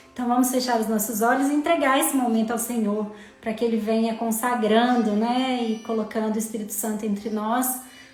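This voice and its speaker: A woman talks at a fairly quick pace with hardly any pauses, in a fairly high, flat monotone. Noticeable background noise and audible room echo fill the recording. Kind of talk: Bible study livestream with prayer. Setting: livestream. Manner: soft-spoken.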